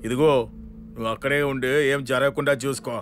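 A man's voice: mid-range voice, steady tone, quick pace, fairly bright tone, close to an everyday voice. A man playing a stern boss in a comedy film, giving curt orders. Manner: curt, commanding.

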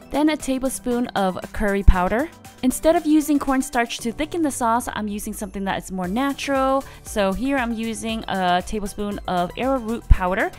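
A woman in her thirties talks viewers through her weekly meal prep in a casual, friendly voice-over. Her voice sits at a middle pitch and stays easygoing, with upbeat lifts when she recommends something. Quiet music plays underneath. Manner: friendly, relaxed instructional talk with upbeat lifts. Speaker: lifestyle vlogger. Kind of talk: cooking voice-over, casual how-to.

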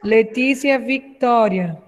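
A woman teacher leading an online class over a video call, taking roll and slowly modelling English phrases for children to repeat. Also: on the high side, in a large hall. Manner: slow, carefully enunciated English for repetition.

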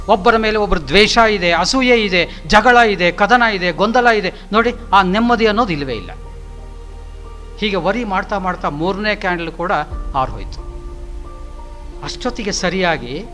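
A man's voice: high-pitched, fairly bright tone. A middle-aged male professor giving a motivational lecture, stressing his points with repetitive lists and English phrases mixed in. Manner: emphatic, repetitive lists, mixes in English words.

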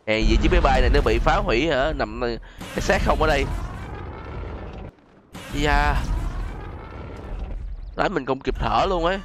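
A man's voice: a little high, normal speed, pauses often, background noise. A man hosting a gaming video with casual, chatty gameplay commentary, exclaiming often and addressing viewers as friends. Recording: voice over loud game music and effects.

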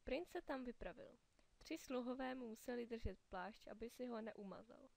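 A woman narrates a children's fairy tale in a clear, steady storytelling manner. Her voice sits somewhat high and she reads with calm, even pacing.

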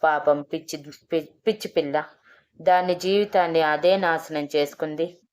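A woman's voice: deep voice, fairly even intonation, normal speed, darkish tone, clean tone, lightly acted. Woman doing a scheming old village president. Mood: scolding. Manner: taunting, gossiping. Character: meddling older male village president, scheming.

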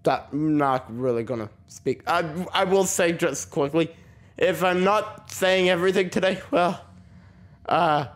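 With a sore throat and an occasional slight cough, this young gaming host narrates his let's play in an unhurried, fairly high voice. He rambles, pokes fun at himself, and laughs frequently as he plays.

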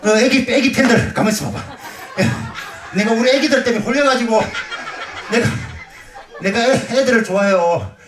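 Breathless on an outdoor festival stage, a pumba street performer fires off comic banter and teases his audience. His voice is extremely high and expressive at a normal speed, heard from a distance in a roomy space full of crowd noise.

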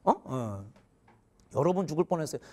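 A man in his forties, a teacher, telling a funny story in an animated way and often laughing mid-sentence. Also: fairly high pitch, normal speed, background noise. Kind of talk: humorous storytelling lecture.

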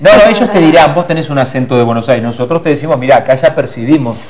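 A man's voice: mid-range voice, lively intonation, quick pace, a crowd in the background. A middle-aged man co-hosting a TV studio talk show, speaking with hesitations and fillers. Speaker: TV co-host. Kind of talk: casual TV chat. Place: TV studio set at a table.

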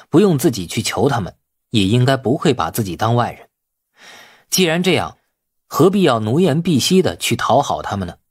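Husky, animated male audiobook narrator. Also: mid-range voice, dry recording, studio quality. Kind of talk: dramatic scripted storytelling.

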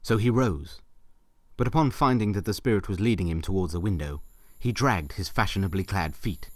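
A man's voice: sits low, animated, normal speed, dry recording. A man narrating a scripted story in a theatrical, wry manner with ornate phrasing.

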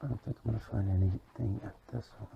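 A woman's voice: very deep voice, steady tone, fast, gravelly, muffled recording. A woman vlogging as she browses an estate sale in a house, filmed on a handheld phone, chatting with sellers and muttering asides to herself. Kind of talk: casual handheld shopping commentary. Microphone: handheld phone camera. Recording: noisy handheld phone audio.

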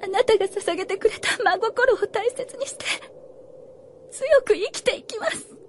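An actress playing a tender, grieving young woman in love in a radio drama, speaking softly and with deep emotion. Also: moderate pace, slight background noise. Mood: tearful resolve. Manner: soft, emotional. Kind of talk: Japanese fantasy radio drama acting.

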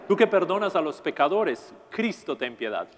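A man in his forties, a priest leading Mass in a large stone chapel, praying in a measured, solemn way. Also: on the high side, sing-song. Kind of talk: liturgical prayer at Mass. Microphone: lapel mic. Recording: long reverb of a stone chapel.

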